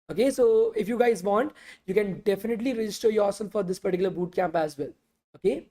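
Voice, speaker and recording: A woman leads a live online coding class in a mellow, warm voice. She talks loosely and conversationally, stopping often on filler sounds and coming back again and again to invite questions. Her pitch sits in a middle range for a woman. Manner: conversational, many filler pauses, repeats invitations to ask. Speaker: coding bootcamp instructor.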